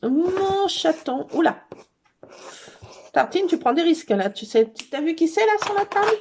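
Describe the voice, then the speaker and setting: A woman's voice: very high voice, animated, a little slow, a little mellow, a little hiss or hum. A middle-aged woman chatting casually as she scrapbooks, teasing and cooing at her cats. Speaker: crafting vlogger. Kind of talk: casual chat while scrapbooking.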